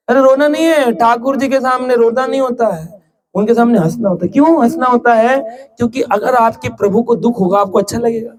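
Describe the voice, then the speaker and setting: A man giving a devotional lecture as a preacher, joking, asking the audience questions and acting out little scenes in story voices. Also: extremely high pitch. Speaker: ISKCON preacher. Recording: live lecture with audible audience laughter. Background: audience laughing.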